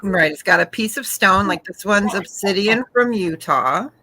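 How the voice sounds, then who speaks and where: A woman's voice: medium pitch, expressive, normal speed, sharp tone, a little hiss or hum, low-quality recording. A woman hosting a live online jewelry auction, chatting casually as she describes each item and laughing often. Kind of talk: casual live sales chat.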